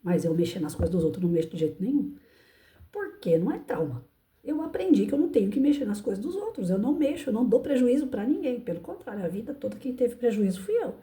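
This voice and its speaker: Brazilian lady teacher chatting, voice jumps all over, dark tone. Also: mid-range voice. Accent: Brazilian Portuguese. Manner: animated, emphatic storytelling. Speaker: teacher and channel host. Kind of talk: casual monologue. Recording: echoey room.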